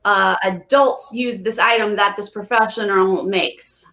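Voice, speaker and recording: A woman with a bright voice takes her time as a game contestant. She thinks aloud in casual questions, and the room adds noticeable echo. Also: medium pitch, steady tone, unhurried.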